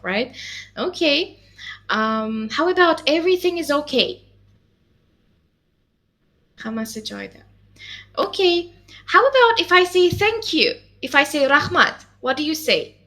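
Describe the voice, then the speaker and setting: Woman, language tutor, encouraging, fairly high voice, slow. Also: pushed and bright. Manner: patient, encouraging, lots of mm-hmms and checks. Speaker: language teacher. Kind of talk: one-on-one language lesson.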